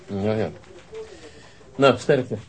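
An actor playing a matter-of-fact police doctor in a radio crime drama, clinical and offhand. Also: male voice, fairly low pitch, drawn-out words. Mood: clinical, detached.

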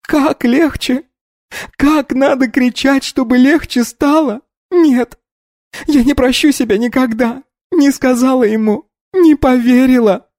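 A man's voice: extremely high pitch, fairly even intonation, measured pace, a little mellow, no echo, studio quality, voice pushed up. A man voicing a hysterical young woman in an audio story, wailing and sobbing through her grief.

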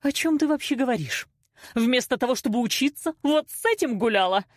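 A middle-aged mother played by a woman reader scolds in a high, swooping voice. She is loud, dramatic and hysterical, as in an audiobook family drama, recorded very dry. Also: expressive, normal speed, no echo. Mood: angry scolding. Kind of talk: audiobook character acting.

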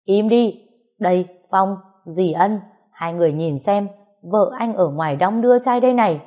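A woman voicing a jealous, scheming young woman who whines and accuses in a high, shrill voice. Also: normal speed, dark tone, natural voice. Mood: shrill angry.

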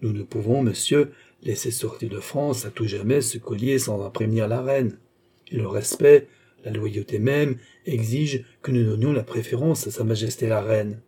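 A courteous, anxious older-style jeweler in a storybook read-aloud, as a man reads him. The voice is mellow and slightly husky, measured and respectful. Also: on the low side. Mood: deferential. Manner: polite and formal. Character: anxious, deferential middle-aged male jeweler.

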